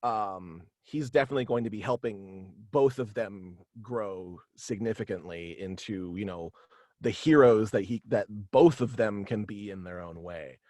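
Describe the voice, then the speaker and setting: A man's voice: fairly low pitch, measured pace, dark tone, no echo. A young man chatting casually and in a rambling way as an interview guest, peppering his talk with "like". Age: young adult. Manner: rambling, frequent "like". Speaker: guest, voice actor and writer. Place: small room at home, on video call.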